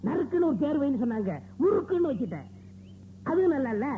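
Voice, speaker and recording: A naive, simple-minded barber's helper. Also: male voice, very high-pitched, sing-song, fast, phone-quality sound. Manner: innocent, naive, answers back with silly remarks. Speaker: barber's helper in a film comedy scene. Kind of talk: 1990 Tamil film comedy dialogue from cassette. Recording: hissy old cassette film audio.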